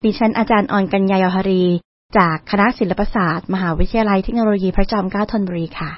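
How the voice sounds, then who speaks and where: A woman's voice: mid-range voice, fast talker. A woman lecturer hosting a radio segment, telling a travel story in a chatty, polite way. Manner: chatty, polite, ends phrases with soft particles. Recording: dull lo-fi radio sound.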